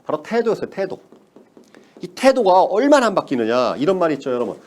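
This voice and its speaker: A man's voice: on the high side, huge pitch swings, brisk. A man giving a motivational sales lecture, emphatic, repeating key words and asking the audience rhetorical questions.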